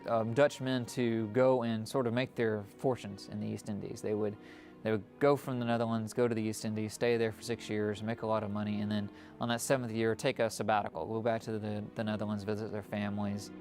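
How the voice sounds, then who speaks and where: A man explaining the history of the region in a measured documentary interview. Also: fairly low pitch, little pitch movement, darkish tone, soft background music. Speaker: historian commentator.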